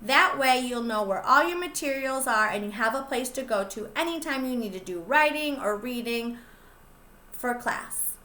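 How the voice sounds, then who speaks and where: A pre-K teacher, a woman, reading a picture book aloud to young children in an expressive, sing-song way. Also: a little high, moderate pace.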